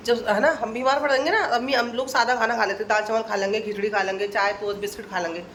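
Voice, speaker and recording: A woman's voice: a little high, fairly even intonation, fast talker, a bit bright, slight background noise, rough recording. A woman chatting casually to her viewers in a daily vlog, sounding stuffy from a heavy cold with a runny nose. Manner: chatty, talks straight to her viewers as friends. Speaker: vlogger.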